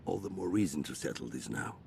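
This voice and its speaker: An actor playing a commanding, hot-tempered Hispanic cartel boss in a video game, with a Spanish accent and Spanish mixed in. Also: male voice, rumbling low, animated, fast talker, creaky, darkish tone, slight background noise, exaggerated voice. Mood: cold, commanding.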